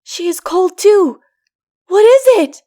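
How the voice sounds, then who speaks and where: A woman voicing a loving, excitable, pleading little boy in a dramatic audiobook. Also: extremely high pitch, slow pace, voice pushed up, heavily acted. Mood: troubled dismay.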